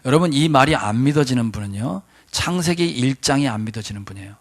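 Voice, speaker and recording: A man preaching a sermon in a church, animated and full of questions to the congregation. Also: mid-range voice, fast. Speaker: pastor. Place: church sanctuary.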